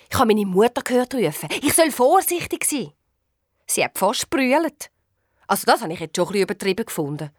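A woman with a Swiss German accent reading a children's story aloud, lively and expressive. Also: medium pitch, no echo, studio quality.

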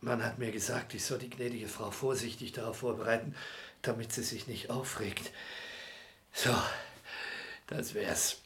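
Actor as an awkward valet, stammering, hesitant, mid pitch, drama. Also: male voice, steady tone, unhurried, fairly bright tone, close to an everyday voice.

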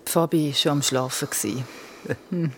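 A woman's voice: deep voice, a little slow, slight background noise. An actress with a Swiss German accent playing a young woman who tells her friends a suspenseful ghost story in a radio drama. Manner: vivid, suspenseful. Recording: radio drama over loud music.

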